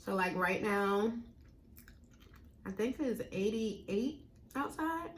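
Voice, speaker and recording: A woman from the northern United States with an American accent, chatting casually to viewers as a mukbang host, chewing while talking and pausing to eat. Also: mid-range voice, lively intonation, slight background noise.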